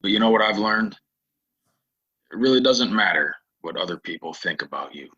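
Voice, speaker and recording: A male actor plays a troubled veteran drifter in a Western audio play. The voice is very deep and raspy, with a hard forceful edge, yet the manner is earnest, halting and polite. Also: lively intonation, muffled recording, full character voice. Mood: gentle, reflective. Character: troubled, soft-spoken male stranger, war veteran in Western town. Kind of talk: Western audio drama acting.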